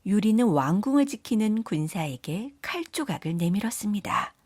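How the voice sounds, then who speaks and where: A woman reading scripted children's story narration in a measured, careful storytelling manner. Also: medium pitch, big pitch swings, darkish tone, slightly rough, no echo, studio quality.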